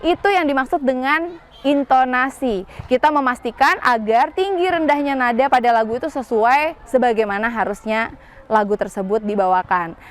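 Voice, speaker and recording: Brief: young female music teacher, Banjar-tinged accent, high bright pitch, patient and explanatory, outdoors at school. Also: normal speed. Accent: Banjar-inflected Indonesian. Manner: patient, explains step by step with rhetorical questions. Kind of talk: outdoor singing lesson to students.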